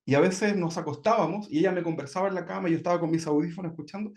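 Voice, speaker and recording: A man tells his testimony in a relaxed, conversational manner. His voice sits a little high for a man, and he keeps checking in with his listeners as he goes. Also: rapid-fire. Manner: conversational, leans on tag questions. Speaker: church member giving testimony. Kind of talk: personal testimony.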